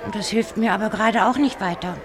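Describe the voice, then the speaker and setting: A woman's voice: medium pitch, fast talker, crowd noise, natural voice. A woman playing a meek, guilt-ridden teenage schoolgirl in a radio play, sheepish and pleading.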